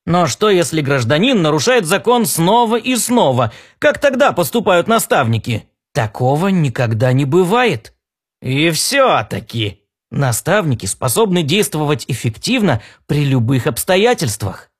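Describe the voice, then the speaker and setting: A man narrating a science fiction story in an expressive, storytelling manner. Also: a little high, unhurried, slightly rough. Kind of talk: scripted audiobook narration.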